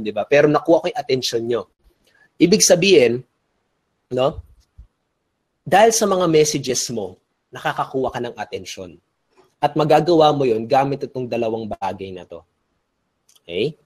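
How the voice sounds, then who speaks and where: A Filipino man teaching an online business webinar, his voice at a middle pitch for a man. He talks with energy, mixes Tagalog and English, and keeps tossing rhetorical checks back at his listeners. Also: a little mellow. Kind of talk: webinar lecture.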